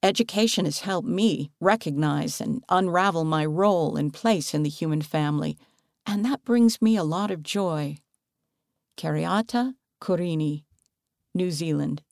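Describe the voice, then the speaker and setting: A woman reading a magazine article aloud as scripted narration, earnest and measured. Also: low-pitched, creaky, darkish tone, no echo, studio quality.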